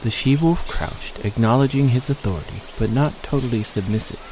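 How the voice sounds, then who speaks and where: A man's voice: medium pitch, brisk, darkish tone, a little hiss or hum, rough recording. A man delivering scripted, dramatic narration of a story as the narrator.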